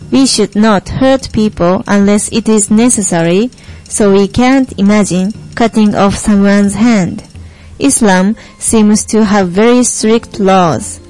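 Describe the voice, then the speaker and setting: A woman's voice: medium pitch, unhurried, a little mellow, lightly acted, low-quality recording. Student playing earnest Christian woman panelist. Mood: earnest, measured. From Japan. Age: young adult. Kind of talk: scripted student stage play. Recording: music behind the voice.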